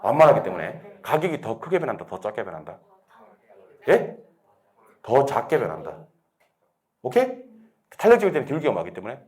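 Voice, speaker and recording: Fast, animated man lecturing. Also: mid-range voice, slightly rough. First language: Korean. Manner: animated, drills students with rapid questions. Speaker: real estate exam lecturer. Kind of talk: classroom lecture.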